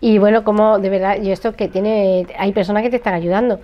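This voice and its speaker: A woman's voice: medium pitch, fairly even intonation, fairly quick, dull audio. A middle-aged woman with an accent from Spain, hosting a chatty, informal interview with encouraging interjections. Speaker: interviewer, host. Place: indoor room, seated interview.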